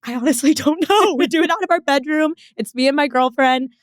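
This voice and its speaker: A woman's voice: sits high, brisk, dry recording, clean studio sound. Giggly, laid-back woman guest from Texas. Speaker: podcast guest. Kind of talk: casual podcast interview.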